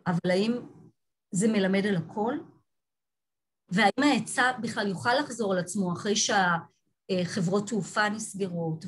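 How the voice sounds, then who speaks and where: A woman giving an online lecture from slides on a video call, talking thoughtfully with frequent restarts and pauses. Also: mid-range voice. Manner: thoughtful, halting, many restarts.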